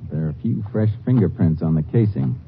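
A deep-voiced, matter-of-fact Texas Ranger. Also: male voice, animated, slight background noise. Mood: firm, probing. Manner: measured, matter-of-fact, polite. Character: calm, businesslike Texas Ranger investigator. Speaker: lead actor and narrator. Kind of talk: 1950s western radio drama acting. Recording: tinny vintage radio broadcast with music.

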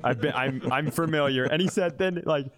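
A brisk, somewhat high-pitched man in his mid-thirties co-hosts a comedy podcast. He tells blunt, casual stories with lively comic energy, swearing and acting out quotes.

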